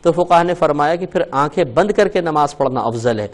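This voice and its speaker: Man explaining, a bit high-voiced. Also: expressive. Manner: patient, explanatory, repeats phrases slowly to show pronunciation. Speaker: mufti answering callers. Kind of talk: religious call-in teaching.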